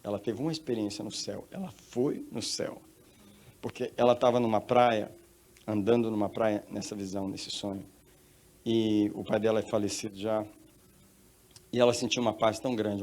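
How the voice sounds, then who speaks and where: A man's voice: fairly low pitch, fairly even intonation, fairly quick, darkish tone. A male pastor with a Brazilian Portuguese accent, preaching a sermon and telling a story with emphatic repetition. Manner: emphatic storytelling, repeats phrases.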